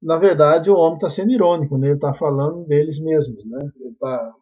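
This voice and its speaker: A man's voice: a little high, fairly quick, muffled recording. A man with a Brazilian Portuguese accent, a teacher patiently explaining a lesson to his class and often checking that they follow. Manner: patient, checks in constantly with tag questions.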